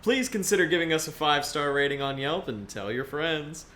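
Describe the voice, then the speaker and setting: A man's voice: on the high side, lively intonation, brisk, pushed and bright. A man playing a friendly, teasing young small-town guide in an audio drama, with a breezy manner. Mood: playful. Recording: roomy, noisy ambient sound.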